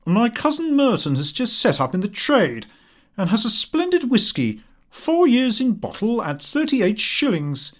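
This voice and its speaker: Man acting a high, hearty chum. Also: huge pitch swings, unhurried, full character voice. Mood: chummy, persuasive. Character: chummy, brisk Victorian clerk friend, a man.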